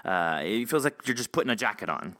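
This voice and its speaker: A man hosting a podcast, chatting excitedly with actors, swearing casually and laughing often. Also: fairly low pitch, brisk, dry recording, clean studio sound. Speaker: podcast host interviewing actors.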